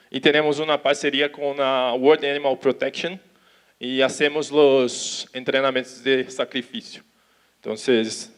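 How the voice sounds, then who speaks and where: A man with a Brazilian accent, a native Portuguese speaker who cannot roll his R, giving an informal conference talk haltingly, mixing in Portuguese words and checking that listeners follow. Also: medium pitch, clean tone. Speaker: animal welfare consultant giving a talk.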